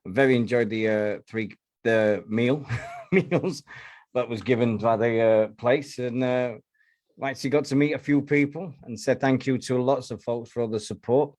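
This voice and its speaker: A middle-aged or older man hosting a casual podcast chat in a halting, repetitive way, with slightly slurred speech as if from loose dentures. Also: medium pitch, a little mellow, dry recording. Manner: halting, repeats and restarts phrases. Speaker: podcast host.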